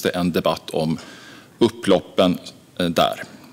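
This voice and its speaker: A man speaks at a fairly slow pace. There is music in the background. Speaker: politician, party justice spokesperson. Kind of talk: parliamentary debate speech. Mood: firm, critical. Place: hall. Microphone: podium.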